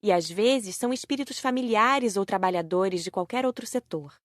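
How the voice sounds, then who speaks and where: A woman reads a first-person audiobook story in a mid-range voice. Her delivery is measured and carefully enunciated, and the sound is dry, with no room around it. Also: mid-range voice, no room sound. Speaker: audiobook narrator. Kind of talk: scripted first-person narration of a spiritist story.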